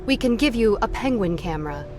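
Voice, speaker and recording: A woman's voice: a little high, animated, a little fast, over music, lightly acted. A woman playing a businesslike police officer in a game. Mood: matter-of-fact.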